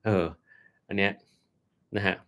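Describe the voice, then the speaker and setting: A man, a doctor, chatting casually on a live stream as he answers viewer questions, explaining at an unhurried pace with many fillers and pauses. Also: bright, forceful tone.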